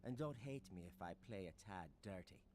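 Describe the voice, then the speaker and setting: A man's voice: low voice, animated, brisk, darkish tone. An actor with an Irish accent playing a suave, menacing male swordsman in a video game. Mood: taunting. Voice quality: smooth, taunting. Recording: faint and distant.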